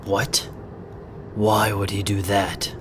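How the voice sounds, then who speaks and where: An actor playing a terse, brooding young master in an audio drama, with a controlled manner. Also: male voice, lowish voice, level tone, slow pace. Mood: tense brooding. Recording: faint background ambient noise.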